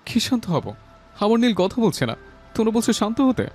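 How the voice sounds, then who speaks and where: A man playing an anguished young man in an audio story, pleading through overwhelming grief in a gravelly voice. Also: medium pitch, normal speed, dark tone, soft background music. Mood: anguished protest. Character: grief-stricken young man pleading with his dead beloved. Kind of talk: dramatized audio story acting.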